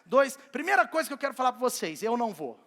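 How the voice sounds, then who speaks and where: A man voicing Jesus as a brisk, teasing teacher who gives his disciples playful commands. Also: very high voice, in a large hall, heavily acted. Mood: urging. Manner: animated, raised voice, playful commands.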